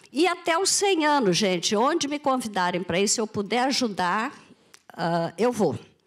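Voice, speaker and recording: A woman with a fairly high pitch talks at a moderate pace with very wide pitch swings and very even loudness over noticeable background noise. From Brazil, Goiás. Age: 70s. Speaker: education secretary, panelist. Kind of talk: conference panel talk.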